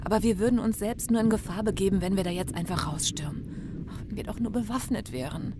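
Level-headed policewoman played by an actress, mid-pitched. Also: quick pace, natural voice. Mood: dry, tense. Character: level-headed, sarcastic police detective woman, in command. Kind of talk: German crime audio drama acting. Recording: train noise behind voice.

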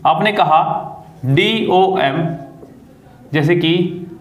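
A man teaches grammar in a video lesson, in a voice pitched somewhat high for a man. He spells words out letter by letter and keeps asking his students questions. The recording has the echo of a bare room. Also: unhurried, fairly bright tone. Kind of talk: classroom-style video lesson.

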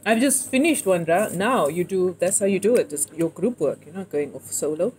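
A woman's voice: on the low side, lively intonation, normal speed, darkish tone. A woman chatting casually with a friend, direct and questioning, ready to challenge what she hears. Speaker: interviewer, friend in conversation. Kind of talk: casual conversational back-and-forth. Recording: clear outdoor ambient noise.

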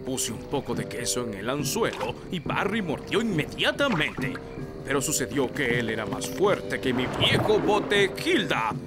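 A man's voice: medium pitch, very animated, measured pace, over loud music. A man voicing a bossy, theatrical elf fishing captain in a Latin American Spanish cartoon dub. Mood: ominous storytelling.

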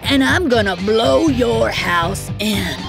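A woman voicing a big, menacing male storybook wolf with a growling, drawn-out delivery. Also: fairly high pitch, animated, over loud music, heavily acted. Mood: threatening. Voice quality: growling, gravelly. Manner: slow, drawn-out threatening calls.

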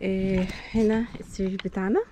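A woman's voice: mid-range voice, flat delivery, fast talker. A woman in her thirties with an Egyptian Arabic accent, chatting casually to a handheld camera as a travel vlogger in and around a van. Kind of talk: casual vlog narration and chat. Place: in and beside a camper van. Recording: noisy handheld outdoor and vehicle audio.

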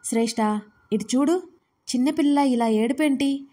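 A woman voicing a calm, protective young man. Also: high-pitched, normal speed, pitched above the performer's own voice. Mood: soothing. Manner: gentle, reassuring.

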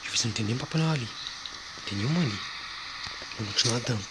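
In a very noisy recording, a man with a mid-range voice fires off rapid commentary as he plays a horror game. He chats casually to his viewers and a friend, excitable and yelping at each jump scare.

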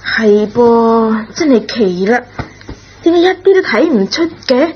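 A woman playing a fretful but appreciative schoolteacher mother in a radio drama, exclamatory and expressive. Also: on the high side, unhurried. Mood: impressed. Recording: dull lo-fi radio, audible noise.

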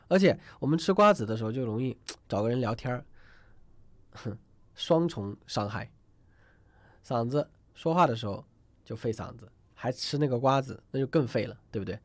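Male vocal coach, mid-pitched with some fry, dry close sound; loose, chatty live-class lecturing. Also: darkish tone, no echo. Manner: chatty, asks students to type numbers in chat; rambling with many fillers and restarts. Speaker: online singing teacher.

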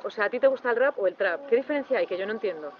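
A woman's voice: medium pitch, animated, rapid-fire. A woman doing casual interviews, asking curious, playful questions. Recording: dull recorder with loud background noise.

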